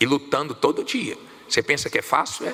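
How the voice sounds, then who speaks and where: At a moderate pace a man's speech comes through amid noticeable background noise. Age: 50s. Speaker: pastor. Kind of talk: sermon.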